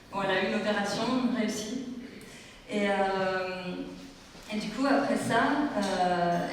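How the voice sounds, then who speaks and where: A woman's voice: mid-range voice, slight background noise. Musing woman on a echoey stage. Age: 30s. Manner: musing, hesitant talk with many fillers. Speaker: performer. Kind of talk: spoken word performance on stage. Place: live venue hall. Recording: echoey hall from far off, music.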